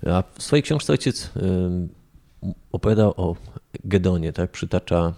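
Very low gravelly man, halting. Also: animated, warm tone. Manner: halting, with fillers and tag question "tak?". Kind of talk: casual religious discussion.

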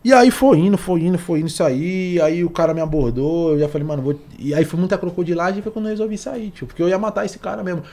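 Male podcast guest, young, São Paulo Brazilian accent. Rapid, higher-set voice, colloquial and slangy storytelling. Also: mellow. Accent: Brazilian Portuguese, São Paulo. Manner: slangy, street-style talk full of colloquial tags. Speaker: podcast guest, former police officer. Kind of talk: casual interview chat, telling personal stories.

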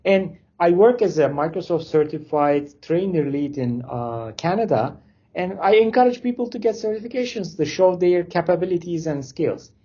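A man's voice: high-pitched, animated, moderate pace, warm tone, slightly rough, dull audio. A man from Turkey speaking English, answering interview questions casually with loose phrasing and many fillers. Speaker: interview guest, company founder.

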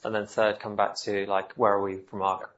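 Male executive on an earnings call, lower register, halting explanatory delivery, slightly dull audio. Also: flat delivery, fairly bright tone. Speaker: company executive answering analyst questions.

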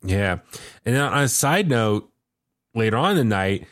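A man's voice: fairly low pitch, big pitch swings, measured pace, a bit bright. A man in casual podcast chat, recapping storylines and asking his co-host questions.

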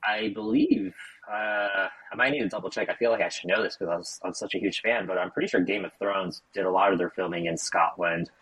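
A man's voice: low voice, lively intonation, brisk, a bit bright, husky, dry recording, low-quality recording. An American man hosting a podcast, chatting casually with lots of fillers and small talk. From United States. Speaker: podcast host. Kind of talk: casual interview chat. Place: Chicago.

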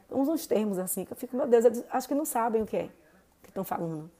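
A woman's voice: on the high side, expressive, rapid-fire, dark tone. A woman in her forties from Salvador with a Bahian Portuguese accent, hosting a casual monologue podcast and chatting straight to her listeners. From Brazil. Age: 40s. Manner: chatty, keeps addressing listeners with "gente" and "né". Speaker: podcast host.

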